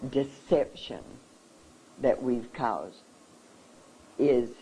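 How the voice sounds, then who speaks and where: With a mellow, expressive, medium-pitched voice, a seminar speaker addresses the audience personally, pausing and restarting often in a slow, deliberate, emotional, halting delivery. The recording is low quality, with a faint room hum behind the voice.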